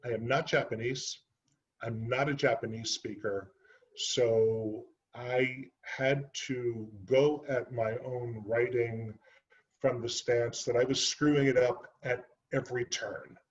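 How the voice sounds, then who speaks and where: A man's voice: mid-range voice, highs cut off. A man giving an author talk, speaking earnestly and unhurriedly about his book, with frequent ums and uhs. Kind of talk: library author presentation.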